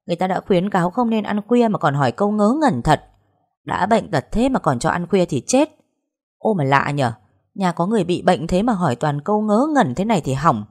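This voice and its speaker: A woman's voice: on the low side, animated, fairly quick, a little mellow. A woman voicing a blunt, scolding elderly female pharmacist with a harsh, coarse way of talking. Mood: reproachful.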